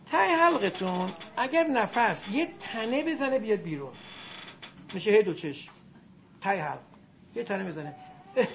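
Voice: mid-range voice, gravelly, muffled recording. A teacher giving a classroom lesson on Arabic grammar and pronunciation, demonstrating sounds aloud and quizzing the class.

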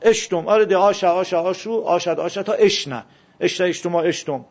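A man teaching a classroom lesson, questioning his students and drilling word forms aloud. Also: sits high. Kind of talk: classroom lesson on Arabic grammar. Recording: dull lo-fi classroom recording.

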